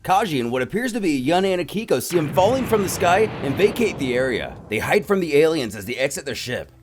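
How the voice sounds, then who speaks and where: A man narrates a comic recap in a dramatic, scripted style. His voice is slightly high and moves with lively intonation. Music plays behind him. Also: fast.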